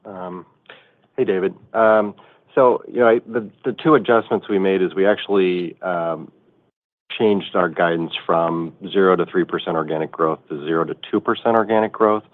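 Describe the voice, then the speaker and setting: A man working as a finance chief, answering earnings call questions in a halting way, often rephrasing. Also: deep voice. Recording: muffled narrowband conference phone line.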